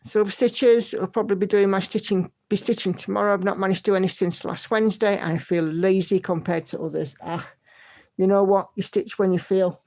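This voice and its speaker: A woman's voice: medium pitch, fairly even intonation, a little fast, a little mellow. A woman hosting a livestream, chatty and encouraging as she reads out viewer comments and hums to herself. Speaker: livestream host. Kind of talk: casual chat reading viewer comments.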